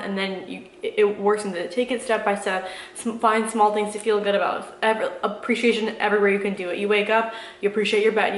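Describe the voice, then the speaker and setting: A young woman chatting casually to viewers in a Q&A, rambling with lots of fillers while giving earnest, encouraging advice. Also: medium pitch. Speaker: vlogger answering viewer questions. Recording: echoey room.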